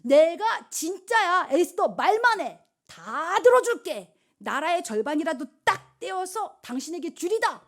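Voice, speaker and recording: A woman pastor voicing a loud, doting and hot-tempered male king in a retold Bible story. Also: very animated, a little slow. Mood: boastful. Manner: loud, booming, exclamatory.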